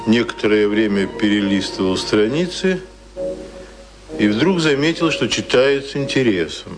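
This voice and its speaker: A man narrating a radio drama in a scripted, literary storytelling style. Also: lowish voice. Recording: radio play, loud music under voice.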